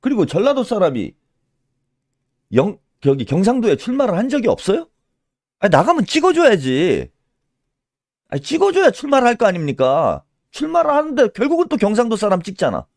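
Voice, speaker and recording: A man's voice: sits high, huge pitch swings, brisk, darkish tone, dry recording, studio quality. A man doing solo political commentary in a scolding tone, firing rhetorical questions and tagging them with a pushy "eh?".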